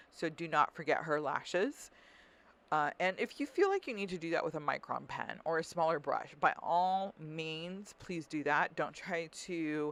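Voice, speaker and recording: A woman mumbles at a fairly slow pace, her pitch fairly low with ordinary variation, on a very clean recording with a silent background. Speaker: art teacher. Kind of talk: tutorial. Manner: mumbling; casual with many fillers.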